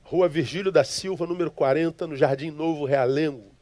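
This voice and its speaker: Impassioned high-voiced preacher from Rio. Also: male voice, brisk, darkish tone, dry recording. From Brazil, Rio de Janeiro. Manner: dramatic, impassioned, stammers when moved. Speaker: pastor. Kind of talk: emotional sermon storytelling.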